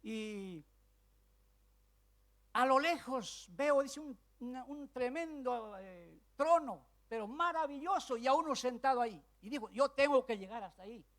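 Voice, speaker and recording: A man preaching a sermon, telling a story with loud bursts and then dropping to hushed asides. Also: extremely high pitch, animated, unhurried.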